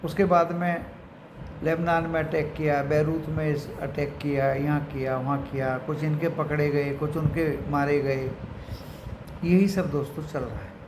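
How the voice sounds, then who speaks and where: An Indian man with a slightly high voice speaks in an echoey room with clear noise behind him. He gives unscripted market commentary as a channel host. He often slips into English phrases and addresses his viewers as friends. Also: steady tone, measured pace.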